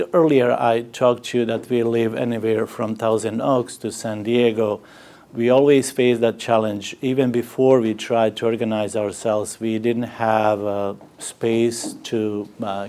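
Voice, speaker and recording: A middle-aged man from Sarajevo with a Bosnian accent, speaking English in a halting way with many "uh" fillers as he tells his story in an interview. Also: mid-range voice, darkish tone. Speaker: interviewee, community organizer. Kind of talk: personal testimony in an interview.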